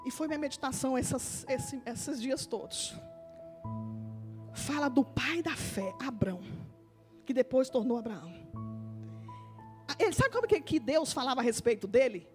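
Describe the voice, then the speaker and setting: A Brazilian woman pastor preaches in a church, her voice sitting very high. She drops into hushed storytelling, then rises into loud, slow scripture reading. Soft music plays faintly behind her. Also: sing-song. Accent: Brazilian Portuguese. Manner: swings between quiet storytelling and loud, drawn-out scripture reading. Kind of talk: sermon.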